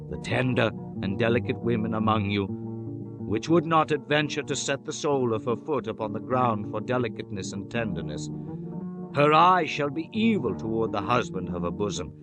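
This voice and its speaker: A man's voice: mid-range voice, fairly bright tone. A man giving a solemn, declamatory dramatized audiobook reading of scripture in archaic English. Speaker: scripture narrator. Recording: music under the voice.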